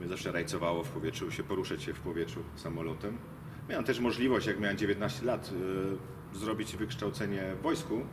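Over noticeable background noise, a man with a fairly low pitch speaks fairly quickly with lively intonation. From Austria, Polish-speaking family. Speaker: pilot; interview guest. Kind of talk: casual interview. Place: garage.

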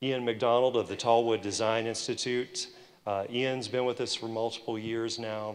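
This man has a Southern US accent and a medium-pitched voice. He talks at a moderate pace with monotone, flat intonation. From US South. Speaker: event manager. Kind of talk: conference announcements. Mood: warm, appreciative. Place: hall. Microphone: podium.

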